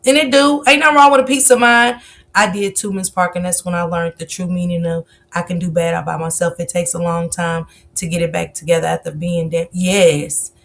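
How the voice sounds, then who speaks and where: On a livestream mic, a woman in her 40s talks straight to her viewers in casual, confessional chat, calling them baby. Her voice sits on the low side, a bit bright, with fairly even intonation and a brisk pace.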